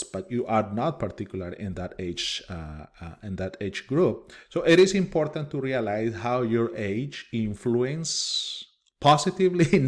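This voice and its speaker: A man from Colombia with a thick Spanish accent, a minister giving a recorded lecture from his office in an earnest way, with many fillers and restarts. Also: fairly low pitch. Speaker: minister and teacher.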